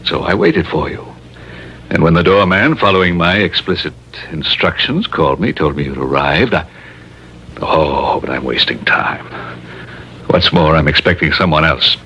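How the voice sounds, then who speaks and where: An actor in an old-time radio drama playing a suave, haughty jewel thief with pompous, precise and formal diction. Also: male voice, a bass voice, lively intonation, normal speed, bright, forceful tone, breathy edge, dull audio, heavily acted. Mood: smug.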